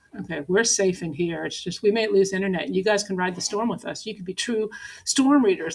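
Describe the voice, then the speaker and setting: Over noticeable background noise, a woman talks at a fairly quick pace in a medium pitch, with ordinary pitch variation and big swings in loudness. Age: 60s. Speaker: livestream host for cake decorating supplies. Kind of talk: casual live stream chat. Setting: indoors during a tornado storm, live stream. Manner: animated.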